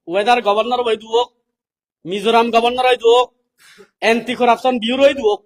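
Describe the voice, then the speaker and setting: Male political speaker, South Asian accent, notably high-pitched, delivering a deliberate, explanatory public address. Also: fairly bright tone, poor audio. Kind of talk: public address, reading English passages and explaining them.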